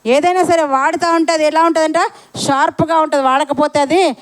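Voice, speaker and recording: A woman's voice: high voice, fairly even intonation, fairly quick. A woman preaching a Sunday sermon at a church service, asking the congregation rhetorical questions and repeating key phrases for emphasis.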